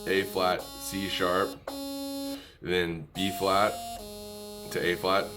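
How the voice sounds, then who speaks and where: A man giving an informal music lesson, calling out notes in a halting, easygoing way and correcting himself as he goes. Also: low voice, flat delivery. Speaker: music tutorial instructor. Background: musical instrument playing between and under phrases.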